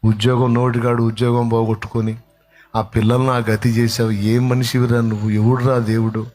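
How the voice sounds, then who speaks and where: A man preaching a sermon, acting out scolding relatives in a dramatic voice that swings between loud anger and soft replies. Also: medium pitch, level tone, brisk.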